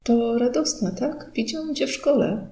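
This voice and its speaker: A cheeky, bored schoolboy from an audiobook who teases and banters in a slightly gravelly voice, as a woman reads him. The voice has a touch of fry and sits at a middle pitch. A faint hiss lies underneath. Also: animated, moderate pace. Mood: teasing. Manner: cheeky, bantering, loud when teasing. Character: lively teasing schoolboy, curious and bored.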